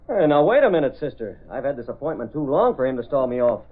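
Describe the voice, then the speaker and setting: A brash wisecracking reporter. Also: male voice, medium pitch, very animated, fast. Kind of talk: 1930s radio drama acting. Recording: tinny old radio broadcast.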